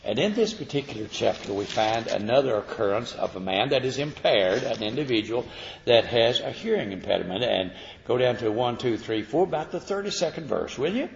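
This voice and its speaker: Gravelly preacher in an echoey hall. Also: male voice, mid-range voice, lively intonation, a little fast. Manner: earnest, rising to emphatic peaks. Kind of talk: evening sermon with Bible reading. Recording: echoey hall, dull lo-fi recording.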